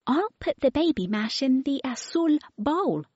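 Woman putting on a doubtful young girl, high and lively, slow. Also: no echo, highs cut off. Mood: curious.

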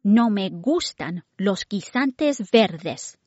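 A woman's voice: mid-range voice, animated, slow pace, a little mellow, no echo, muffled recording. A woman voicing a demanding, picky talking baby girl with a whiny, giggly way of talking.

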